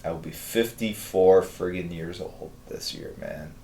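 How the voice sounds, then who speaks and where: A man's voice: deep voice, unhurried, mellow, echoey room, a little hiss or hum. Rambling man in his fifties. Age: 50s. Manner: rambling, thinks aloud with many fillers. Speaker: artist hosting a live drawing stream. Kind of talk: casual chat reading viewer messages.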